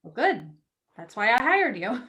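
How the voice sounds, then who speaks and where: A woman's voice: fairly high pitch, big pitch swings, measured pace, bright, forceful tone, heavily acted. A woman acting in a play reading as a blunt, wry magazine editor who is a loyal, teasing friend. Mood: dry teasing.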